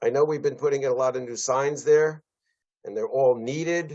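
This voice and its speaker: With an American accent, a man has a plain, everyday voice, fairly high in pitch with ordinary pitch variation. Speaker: village trustee. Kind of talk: public meeting remarks. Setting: village board meeting.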